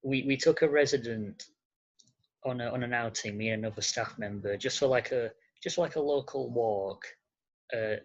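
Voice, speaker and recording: A man answering casually as an interview guest, halting and searching for words. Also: medium pitch. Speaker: podcast guest, care worker. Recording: slightly dull, lo-fi sound.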